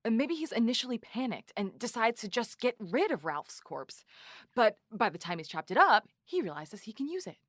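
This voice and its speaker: A woman's voice: fairly high pitch, big pitch swings, normal speed, no room sound, clean studio sound. A woman playing a blunt teasing podcast co-host. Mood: matter-of-fact. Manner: teasing, matter-of-fact. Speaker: true-crime podcast co-host. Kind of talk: audio drama acting.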